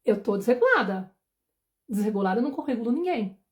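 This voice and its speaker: A woman in her forties, a parenting mentor, giving a casual live talk, fast and conversational, often checking "understood?" and acting out anxious inner thoughts. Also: fairly high pitch, big pitch swings. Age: 40s.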